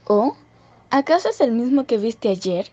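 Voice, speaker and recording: A woman's voice: fairly high pitch, big pitch swings, unhurried, dry recording. A woman voicing a polite young hedgehog daughter in a cartoon fan dub. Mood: curious, polite. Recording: muffled, loud music behind.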